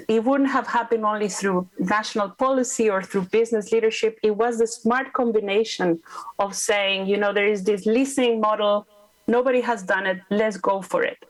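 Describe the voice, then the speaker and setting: A woman's voice: medium pitch, normal speed, poor audio. A woman with a Costa Rican accent, a native Spanish speaker, speaking emphatically and persuasively as a panelist. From Costa Rica. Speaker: panelist, climate advisor. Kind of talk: panel discussion remarks.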